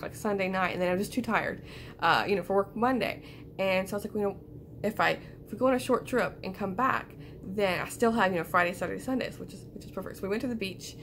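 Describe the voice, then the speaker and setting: A young woman with a slightly croaky voice chatting casually to camera from her living room about her weekend reading, rambling with many fillers and restarts. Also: mid-range voice, slight background noise. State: croaky from sinus trouble. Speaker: book vlogger. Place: living room, seated in armchair.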